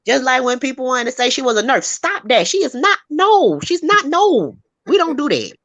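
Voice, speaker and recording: A woman hosting a casual gossip chat, talking in an animated, sassy and emphatic way and laughing often. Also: high voice, normal speed, dry recording, highs cut off. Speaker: host.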